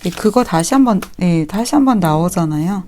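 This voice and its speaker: A woman giving a tarot reading to viewers in a gentle, reassuring way, sometimes acting out what the people in the cards might say. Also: fairly low pitch, animated, moderate pace. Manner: gentle, reassuring, acts out quoted lines. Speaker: tarot reader.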